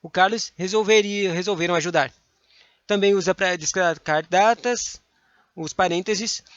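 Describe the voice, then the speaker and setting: A man teaching a grammar lesson for exam prep with a Brazilian Portuguese accent, reading examples aloud with lively emphasis and mumbling quiet asides. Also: high-pitched, normal speed, dry recording, highs cut off.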